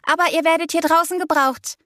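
A woman's voice: extremely high pitch, fairly even intonation, brisk, a bit bright, no echo, studio quality, voice pushed up. A woman reading an audiobook voices an impatient young woman who insists her friends come out. The friend's voice is insistent and pleading. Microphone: close studio mic.

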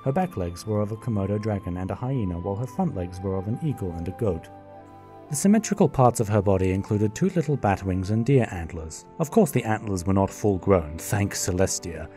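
A man's voice: on the low side, animated, fairly quick, mellow, soft background music. A man narrating a fan radio play in a wry, jokey way.

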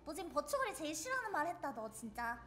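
A woman streamer giving live gameplay commentary, excitably and playfully shouting threats at the game, with game music behind her. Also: high-pitched, quick pace. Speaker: VTuber streamer.

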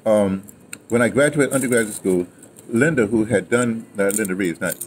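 An older American man in his 60s or 70s, an interviewer and former radio dramatist, recounts his own history in a lowish voice at normal speed. He tells stories casually, emphatic and digressive, often repeating his words. He's seated at a table on an outdoor patio amid noisy restaurant ambience.

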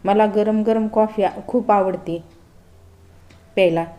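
Mellow-voiced woman telling a story. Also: medium pitch, fairly even intonation, takes it slowly. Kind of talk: first-person story narration.

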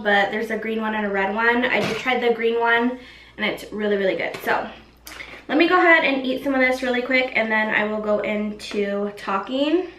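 Bright-voiced young woman, echoey room. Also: fairly high pitch, recorded from a distance, a little hiss or hum. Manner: chatty, many ums and likes, talks while eating. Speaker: vlogger. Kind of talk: casual mukbang eating vlog.

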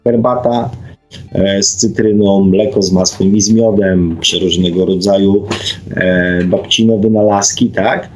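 Middle aged guy doing a thoughtful radio monologue, lowish voice, bit hesitant, faint music behind him. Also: steady tone, a little slow. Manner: hesitant, reflective, often ending with a questioning tag. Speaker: radio host. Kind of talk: unscripted radio monologue, reflecting and reading listener comments.

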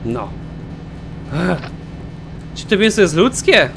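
Excitable swearing gamer guy. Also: sits high, takes it slowly, vocal fry, slight background noise. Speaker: gaming commentator. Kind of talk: let's play commentary.

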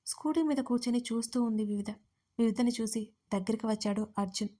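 A woman's voice: a little high, fast talker. Woman narrating an audio love story. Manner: expressive storytelling.

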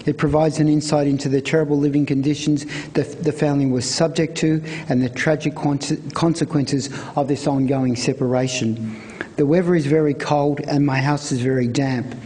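A man reading a prepared script of historical letters aloud at a live event in a measured way. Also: fairly high pitch, steady tone, a little mellow, rough recording.

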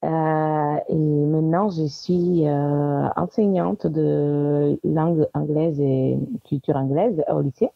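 A woman's voice: sits low, fairly even intonation, slow pace, creaky, few pauses, dry recording, highs cut off. A woman in her thirties, a guest in an interview, talking casually with frequent small laughs and hesitations. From Italy. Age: 30s. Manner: warm, laughs often, many hesitations.

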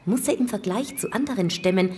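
An actress playing a keen, friendly female archaeologist in a German audio drama, brisk and confident in manner. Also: medium pitch, darkish tone, slight background noise, close to an everyday voice. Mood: thoughtful.

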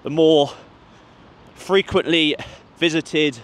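A man's voice: fairly high pitch, takes it slowly. A man in his thirties narrates a walking vlog around a football ground, talking chattily to his viewers as "guys". He speaks into a handheld mic outdoors on city streets. Street traffic passes in the background. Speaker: football travel vlogger. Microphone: handheld mic, camera at arm's length.

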